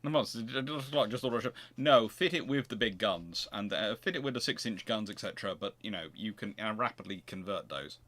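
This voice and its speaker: A man with a fairly low voice hosts an informal history question session. He thinks out loud as he answers, wandering through his points and circling back to repeat phrases. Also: expressive, fairly quick, few pauses. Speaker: host of a naval history question show. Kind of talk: casual rambling answers to audience questions.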